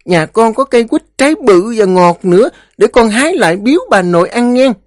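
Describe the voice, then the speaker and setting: A man's voice: sits high, animated, brisk, no room sound, studio quality, pitched above the performer's own voice. A man voicing a cheerful, chatty five-year-old boy, eager and sweet-talking. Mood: excited.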